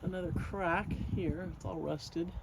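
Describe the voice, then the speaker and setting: A woman's voice: fairly low pitch, fairly even intonation, measured pace, gravelly, heavy background noise. A woman chatting casually to camera on a walk through her garden, rambling and sniffling from congestion. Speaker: gardening vlogger. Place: outdoor garden, windy.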